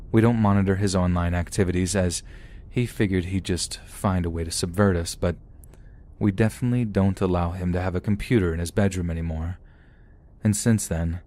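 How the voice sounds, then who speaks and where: A man reading horror stories aloud in a steady storytelling manner. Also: low voice. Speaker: narrator. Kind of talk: scripted horror story narration.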